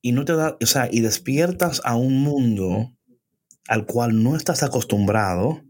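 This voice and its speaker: A man talks through scripture in a conversational teaching style, with a slightly husky, unpolished voice. He speaks Spanglish, dropping short English phrases into Spanish, and doubles back on words to stress them. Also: medium pitch, a little slow, a little mellow. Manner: emphatic, repeats words and phrases. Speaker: podcast co-host teaching from the Bible.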